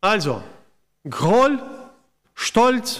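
A man's extremely high voice with an Eastern European accent against a quiet background. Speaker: preacher. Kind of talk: sermon to a church congregation, teaching with Bible readings and a closing prayer. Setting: church. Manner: conversational and explanatory, repeating 'ja' often, with a halting, improvised delivery; changes volume; says he may be too loud or too quiet. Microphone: podium.

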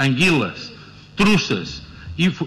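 A man's fairly high voice has vocal fry, a bright, sharp tone and lively intonation. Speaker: professor giving inaugural lecture. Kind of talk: lecture. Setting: formal auditorium. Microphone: podium.

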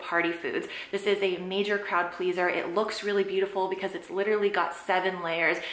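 In a room with audible echo, a woman speaks fairly quickly in a flat, monotone way. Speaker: recipe vlogger. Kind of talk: casual cooking intro and tutorial narration. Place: home room.

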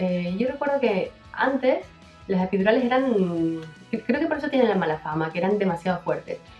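A woman speaks at a fairly quick pace over faint music in the background. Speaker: vlogger. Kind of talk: casual vlog chat. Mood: calm, reflective. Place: home room.

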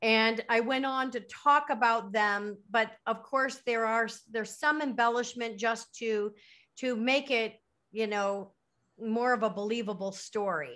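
A woman with an American accent speaks at a fairly slow pace in a fairly high pitch, her tone bright and sharp and her intonation fairly even, over a quiet background. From US Midwest, Chicago suburbs; Illinois. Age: 50s. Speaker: author and educator; educator. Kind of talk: interview. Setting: remote call. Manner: halting. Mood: reflective, earnest. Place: home room. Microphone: video call.

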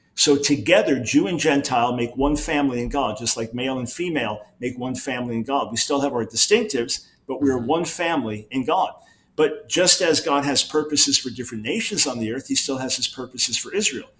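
An animated tone with an American accent, ordinary pitch variation, and a fairly quick pace. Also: man, fairly high pitch for a man. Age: 60s. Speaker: Bible scholar and author; interview guest, Bible teacher. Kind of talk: interview about theology. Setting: video call from a condo. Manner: animated, emphatic. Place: home room.

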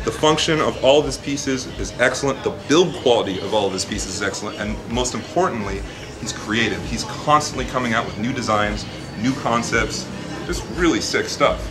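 A man talking at a fairly quick pace over clear background music. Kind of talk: product showcase talk. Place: shop.

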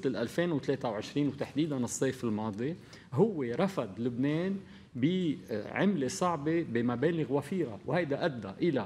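A normal speaking voice with lively intonation. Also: man. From Lebanon. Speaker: business association leader; TV guest. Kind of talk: televised political debate. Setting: tv studio. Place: studio. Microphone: lapel.

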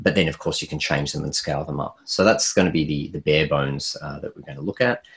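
Against a quiet background, a man with an Australian accent and a very deep, low voice talks very fast with hardly any pauses, ordinary pitch variation, and big swings in loudness. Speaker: esports AV expert presenter. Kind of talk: technical webinar presentation. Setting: online webinar.

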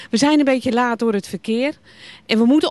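In a dry recording with no echo and faint music in the background, a woman speaks at a fairly quick pace and a high pitch with lively intonation. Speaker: TV presenter. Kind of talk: presenter talk to camera. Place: street. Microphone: handheld.

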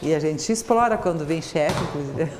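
Over noticeable background noise, a woman speaks with lively intonation. She keeps a moderate pace. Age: old. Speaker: TV cooking show host. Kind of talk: TV cooking segment chat; sponsor promotion. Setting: TV studio kitchen.

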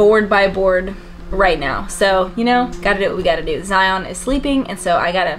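A woman's moderately paced speech over clear background music. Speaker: mom vlogger. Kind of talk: casual vlog chat. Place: home room. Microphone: camera far.

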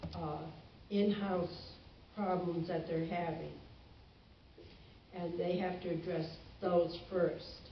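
A woman with a fairly low voice speaks at a very slow pace, leaving long, frequent pauses. Light background noise and audible room echo are present. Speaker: commission member reporting. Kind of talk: meeting report. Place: meeting room. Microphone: camera far.

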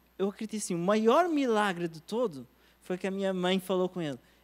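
This is a man's voice. He speaks with a European Portuguese accent. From Portugal. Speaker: lay missionary; guest. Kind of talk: testimony. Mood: calm, earnest. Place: studio. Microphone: handheld.

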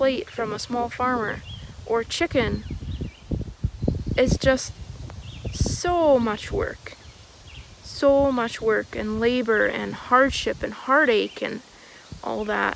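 A woman speaks at a very slow pace with long, frequent pauses and ordinary pitch variation, her voice dry with no echo against noticeable background noise. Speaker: small farmer vlogger. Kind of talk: casual vlog chat. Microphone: phone near.

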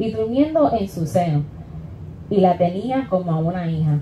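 A woman's medium-pitched voice with very wide pitch swings at a fairly slow pace, amid audible room echo and light background noise. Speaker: preacher. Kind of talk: sermon. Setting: church. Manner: animated, fervent preaching in full flow. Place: church. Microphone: camera far.

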